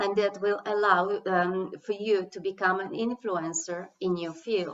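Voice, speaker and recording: Her pace is very slow. This woman has a non-native accent. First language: not English. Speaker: social media consultant. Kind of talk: webinar presentation. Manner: halting with frequent fillers.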